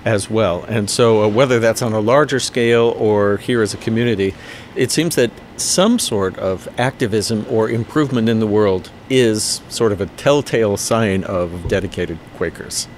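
A podcast host asks his guests questions in a calm, inquiring manner. His voice sits a little low for a man. A faint sound of passing vehicles is heard behind him. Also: moderate pace, a little hiss or hum. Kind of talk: interview questions.

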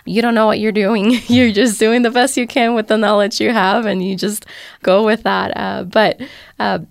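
Smooth, flat-toned woman from Venezuela. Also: mid-range voice, dry recording, studio quality. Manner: reflective, halting with many fillers. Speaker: panel guest. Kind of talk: casual faith discussion.

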